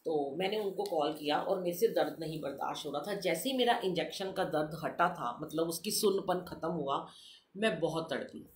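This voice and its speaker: A middle-aged woman giving a satsang talk, telling a personal story and acting out the dialogue with lively emotion. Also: low-pitched, normal speed, slight background noise. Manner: animated, acts out quoted dialogue. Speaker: satsang speaker. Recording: echoey room with faint ambience.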